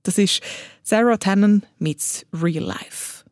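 A woman's voice: medium pitch, slow pace, a little mellow, no echo, clean studio sound. A woman who talks directly to the listener as she introduces a children's story. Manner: chatty, addresses the listener directly. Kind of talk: scripted narration for children.

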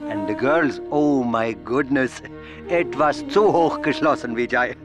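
A man's voice: medium pitch, measured pace, over music, natural voice. An actor playing an elderly father who mixes English and German and pleads in broken fragments to reach his son. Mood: pleading. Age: older. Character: elderly father pleading on the phone from a care home.

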